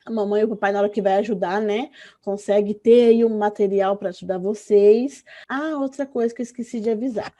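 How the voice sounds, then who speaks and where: A woman with a Brazilian Portuguese accent, a primary school teacher giving an online lesson to young children. She stretches out words slowly when spelling and keeps checking in with "tá?" and "né?" in an affectionate way. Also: mid-range voice, steady tone, warm tone.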